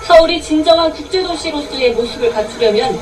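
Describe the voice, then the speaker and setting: A woman's voice: sits high, expressive, brisk. A woman reading a scripted television news report as a reporter. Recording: distant TV playback with crowd noise.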